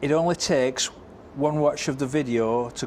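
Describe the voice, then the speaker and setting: In a Lancashire accent, a man speaks at a medium pitch with fairly even intonation. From Lancashire, England. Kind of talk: casual talk to camera.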